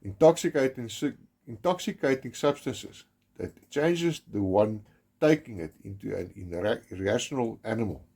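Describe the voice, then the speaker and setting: A South African man with Afrikaans as his first language narrates a documentary in a solemn, measured way. His voice is dark, mellow and a little husky, and he leans hard on key words. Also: on the low side. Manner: grave, measured, with emphatic stresses and some restarts.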